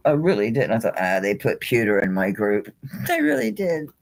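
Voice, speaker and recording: A woman's voice: rumbling low, huge pitch swings, moderate pace, gravelly, noisy background. A woman hosting a live jewelry auction in a chatty, casual way, laughing often and talking to herself as she handles items. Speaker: online jewelry seller.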